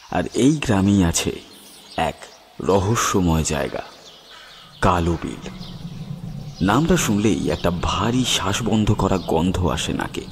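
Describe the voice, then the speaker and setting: A man narrating a scripted horror story dramatically, with suspenseful, weighted pauses. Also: sits low, slight background noise. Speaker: narrator and presenter. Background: music with birds and crickets.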